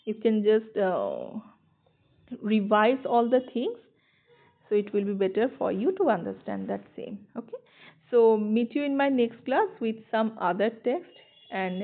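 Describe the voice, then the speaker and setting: A woman's voice: a little high, gravelly. Tinny-sounding Bengali woman teacher. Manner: explanatory, checks in with "ঠিক আছে" and "okay", reads English slowly. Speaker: English teacher. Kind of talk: online lecture, Bengali mixed with English.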